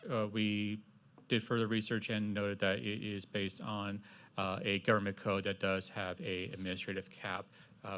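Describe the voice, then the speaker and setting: Halting, lower-pitched man presenting formally. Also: a bit bright. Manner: halting, procedural. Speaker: city staff member presenting.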